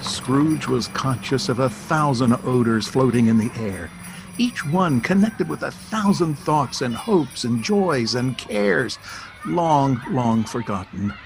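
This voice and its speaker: A man acting as the narrator of a Victorian Christmas radio play, expressive and literary, with music behind him. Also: medium pitch, slow pace, creaky. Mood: evocative. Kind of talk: dramatic scripted narration.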